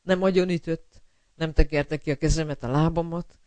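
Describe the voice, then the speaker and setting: An earnest man preaching a sermon, his voice sitting a little higher than most men's. He pauses often with fillers, speaks straight to his listeners and calls them brother. The sound is dry and close, with no room echo. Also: steady tone, a little mellow. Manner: tells personal stories to illustrate scripture.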